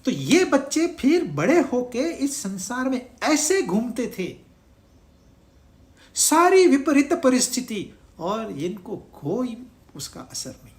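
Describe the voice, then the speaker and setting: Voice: medium pitch, big pitch swings, slow. A spiritual teacher giving a scripture discourse, asking the listeners rhetorical questions and mixing English words into the talk.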